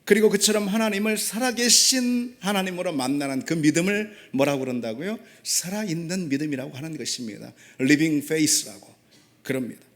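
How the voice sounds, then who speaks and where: A man's voice: on the high side, normal speed. A man preaching an emphatic sermon, asking rhetorical questions and dropping short affirming asides. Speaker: pastor.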